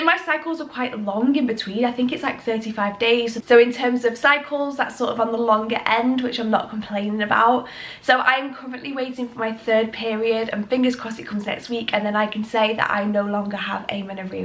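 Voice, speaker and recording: A young woman with a British accent talks straight to camera in a chatty, rambling, reassuring way. A cold leaves her sounding stuffed up and nasal, and her voice sits a little high. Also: a bit bright. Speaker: health vlogger. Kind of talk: casual talk to camera.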